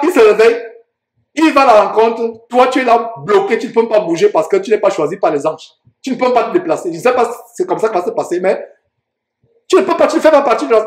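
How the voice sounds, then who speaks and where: A man's voice: very high-pitched, reverberant. A man preaching a sermon, reading Bible verses aloud and explaining them with emphatic rhetorical questions.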